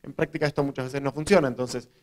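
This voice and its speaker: Fast-talking Argentine man giving a talk. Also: mid-range voice, fairly even intonation, darkish tone. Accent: Argentine Spanish. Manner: explanatory, conversational, many fillers and restarts. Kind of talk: conference talk to journalists. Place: university event hall.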